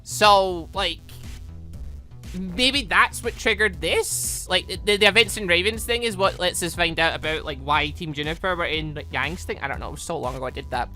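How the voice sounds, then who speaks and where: A gaming host doing let's play commentary and reading game dialogue aloud, animated and rambling, with self-questioning asides. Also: mid-range voice, normal speed. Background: game music.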